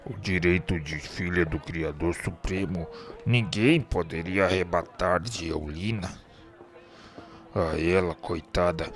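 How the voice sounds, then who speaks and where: A man with a Brazilian accent playing a tormented spirit confessing a murder, in a grave, declamatory radio drama style. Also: sits low.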